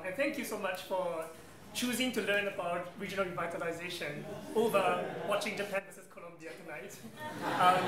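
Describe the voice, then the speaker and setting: High-voiced man giving a talk. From Singapore. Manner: hesitant, many ums, friendly asides. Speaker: guest speaker. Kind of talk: presentation to an audience. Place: event room with audience. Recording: roomy hall sound, faint noise.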